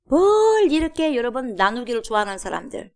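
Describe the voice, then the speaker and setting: A woman pastor preaches from the pulpit of a church. Her voice sits a little high for a woman. She leans hard on her points and keeps asking the congregation questions. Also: sing-song, brisk, a little mellow. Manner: emphatic, with rhetorical questions and acted-out quotes. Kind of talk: sermon. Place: church sanctuary.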